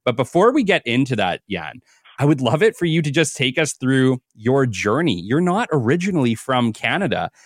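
A man's voice: medium pitch, big pitch swings, normal speed, dry recording. A male podcast host with an upbeat, enthusiastic delivery and an easy laugh. His mid-range voice sits close to the mic in a dry, dead-sounding space. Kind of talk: scripted intro reading, then casual interview chat.

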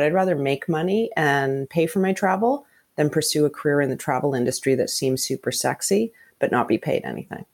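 Candid low-voiced woman in her fifties. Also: darkish tone. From Canada. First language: Hungarian. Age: 50s. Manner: frank, chatty, storytelling with asides. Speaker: guest. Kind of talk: candid conversational interview.

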